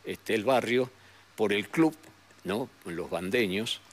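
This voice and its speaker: An older man from northwestern Argentina speaks in a fairly low voice, with that region's accent. He reminisces conversationally, wandering and pausing, often checking in with a short tag question. There is noticeable noise behind him. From San Salvador de Jujuy, Argentina. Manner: rambling, halting storytelling with frequent tag questions. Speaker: interview guest.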